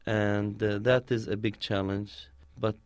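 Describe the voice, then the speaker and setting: Low-voiced man, close dry sound. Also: flat delivery, unhurried, dry recording. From Palestine. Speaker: interviewee, community organizer. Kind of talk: conversational interview answers, telling personal stories.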